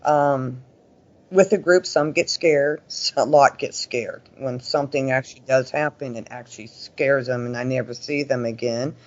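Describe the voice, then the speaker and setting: A man's voice: medium pitch, steady tone, moderate pace. A man talking casually as an interview guest, telling stories in a chatty, folksy way and often voicing quoted remarks. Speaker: interview guest, paranormal investigator. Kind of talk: casual conversational storytelling. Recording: dull lo-fi audio.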